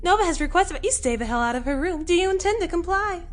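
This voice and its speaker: A woman's voice: very high-pitched, animated, fast talker, voice pushed up. A woman voicing a polite, literal-minded female ship's android in a sci-fi audio drama, speaking in formal, emotionless stock phrases. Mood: formal, neutral.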